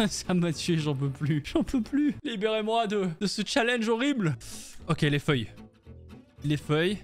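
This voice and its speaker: A young man doing excitable, slangy commentary on a parkour game, swinging from yelps to mutters as he talks to his viewers. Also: high-pitched. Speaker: gaming youtuber. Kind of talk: Minecraft parkour let's-play commentary.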